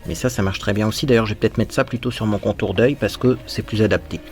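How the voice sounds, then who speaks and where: A man's voice: lowish voice, steady tone, fast, a little mellow, faint music behind. Chatty man giving a makeup tutorial. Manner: chatty and playful, with little sound words; talks to viewers while applying makeup. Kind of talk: casual makeup tutorial chat.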